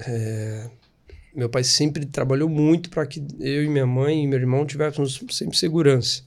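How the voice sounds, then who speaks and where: A man's voice: mid-range voice, moderate pace. Chatty Brazilian man telling his story. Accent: Brazilian Portuguese. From Espírito Santo, Brazil. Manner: animated, chatty, frequent tag questions. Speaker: podcast guest. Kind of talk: casual storytelling interview.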